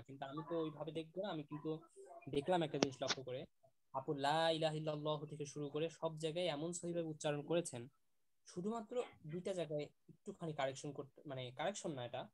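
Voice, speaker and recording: A man teaching an online class, gently praising students and repeating sounds to demonstrate them. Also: on the high side.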